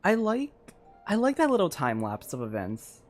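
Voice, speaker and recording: A man's voice: high-pitched, wildly swooping pitch, normal speed. A man giving live, casual commentary as he plays a story-driven game. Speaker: streamer playing a game. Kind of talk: live game commentary, reading dialogue aloud. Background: game music.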